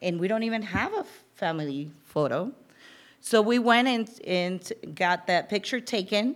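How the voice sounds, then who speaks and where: In a Spanish accent, the speaker moves at a fairly slow pace with lively intonation. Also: woman, medium pitch for a woman. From Mexico. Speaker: church member. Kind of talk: testimony. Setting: church. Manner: halting.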